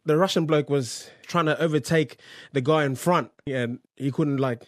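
A man's voice: on the high side, normal speed, no room sound, studio quality. A man co-hosting casual sports radio banter, joking and laughing readily. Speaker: co-host.

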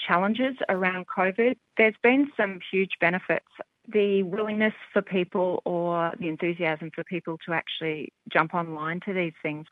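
An Australian woman speaking as an interview guest, upbeat and enthusiastic, often starting with "look" and filling pauses with "um". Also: mid-range voice, no echo. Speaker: rugby development representative. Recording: tinny phone line.

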